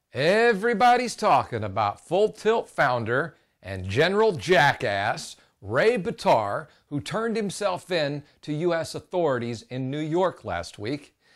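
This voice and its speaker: Against a quiet background, a man speaks at a fairly slow pace with very wide pitch swings. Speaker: news show host. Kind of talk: comedic news commentary. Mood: sarcastic, jokey. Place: studio. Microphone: lapel.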